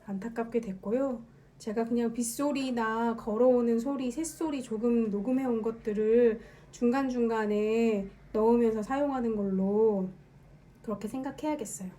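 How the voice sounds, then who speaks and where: A woman's voice: a little high, moderate pace, mellow. A woman hosting a podcast alone, talking casually in a rambling, think-aloud way. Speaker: podcast host. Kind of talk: casual solo monologue.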